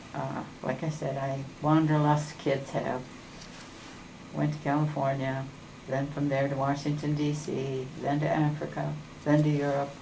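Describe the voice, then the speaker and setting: With an American accent, a woman speaks fairly slowly in a very deep, low pitch and a monotone, flat intonation. Audible room echo is present. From Minnesota, Minneapolis. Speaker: podiatry patient. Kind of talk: casual chat. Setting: podiatry office. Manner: halting.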